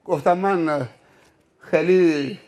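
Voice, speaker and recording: A man's voice: on the high side, darkish tone. A man preaching a sermon, telling stories emphatically and acting out the scenes. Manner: emphatic, vivid, acts out scenes. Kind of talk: sermon with dramatized storytelling.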